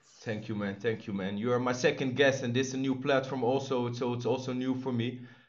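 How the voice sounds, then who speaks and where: A man with a Dutch accent speaks at a fairly quick pace in a medium pitch. His delivery is monotone and flat, with audible room echo. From Eritrean background. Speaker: podcast host. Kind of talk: interview. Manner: halting.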